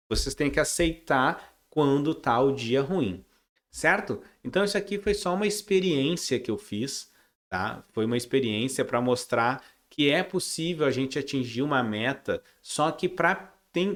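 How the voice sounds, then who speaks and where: Chatty man explaining with tag questions. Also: medium pitch. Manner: conversational, ends points with tag questions; frequent restarts and repeated words. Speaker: day trader sharing his results. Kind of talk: casual explanatory vlog.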